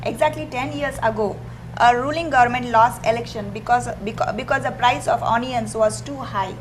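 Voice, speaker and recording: A woman's voice: on the high side, low-quality recording. Panelist, young woman, stumbling restarts, light room noise. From India. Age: young adult. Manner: hesitant starts, stumbles over words. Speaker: student panelist.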